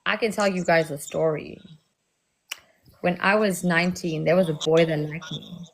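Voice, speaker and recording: A woman's voice: fairly low pitch, steady tone, moderate pace, gravelly, poor audio. A woman in her thirties from South Africa, hosting a casual livestream chat, laid-back and laughing as she tells stories. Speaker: livestream host.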